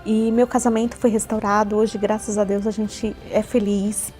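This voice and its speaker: A woman's voice: mid-range voice, little pitch movement, normal speed, dark tone. A Brazilian woman in her forties giving an earnest personal testimony, often repeating herself. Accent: Brazilian Portuguese. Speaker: church member giving a testimony. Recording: faint music underneath.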